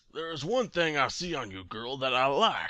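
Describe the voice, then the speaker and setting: A man's put-on character voice, raspy and fairly high, at a moderate pace, with very wide pitch swings and big swings in loudness. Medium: read story. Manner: rambling, bragging.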